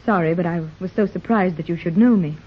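A woman's voice: lowish voice, quick pace, husky. An anxious, genteel searching mother. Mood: earnest. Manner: earnest and polite, easily startled. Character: anxious, wealthy mother searching for her daughter. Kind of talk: 1930s radio drama acting. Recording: dull old 1930s radio recording.

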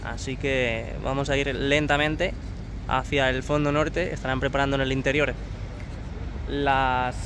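A man's voice: mid-range voice, level tone, measured pace. A man from Spain giving jokey, chatty commentary as he walks outdoors, filming on his phone. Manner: jokey, chatty, broken English with foreigners. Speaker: vlogger. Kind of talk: casual walking commentary. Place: outdoors on a city street. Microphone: phone held by the speaker. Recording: traffic noise outdoors.

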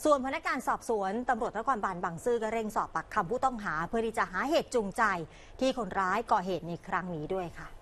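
Fast-talking woman news reporter. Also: mid-range voice, lively intonation, a little hiss or hum. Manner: brisk, polite news delivery.

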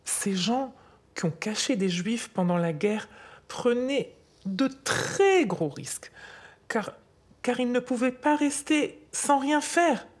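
A woman's voice: fairly high pitch, animated, slow pace. A woman in her sixties playing a grandmother who patiently explains wartime history to her granddaughter in scripted French dialogue. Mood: earnest. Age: 60s. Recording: faint music behind.

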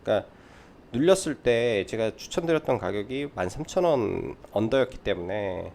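Male trading adviser for a live market recap: explanatory, animated intonation, noticeable vocal fry. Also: lowish voice, moderate pace. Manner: explanatory, poses questions then answers them.

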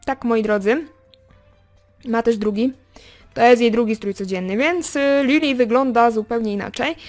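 A young woman hosting a casual game commentary, chatting straight to her viewers and swinging between excited remarks and quiet muttered asides. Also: fairly high pitch, moderate pace, faint music behind. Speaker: gaming video host. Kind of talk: casual let's play commentary.

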